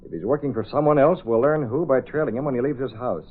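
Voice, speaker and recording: An actor playing a calm, authoritative male hero in a 1930s radio drama, speaking in a measured way, on a scratchy, narrow old recording. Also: mid-range voice, slightly rough, close to an everyday voice.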